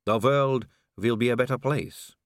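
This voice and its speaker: A man voicing a calm, elegant, sly female vampire noblewoman in an audiobook, cool and drawling. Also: medium pitch, measured pace, no room sound, clean studio sound, voice pushed up, lightly acted. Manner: cool, drawling, amused and poised. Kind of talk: audiobook character reading.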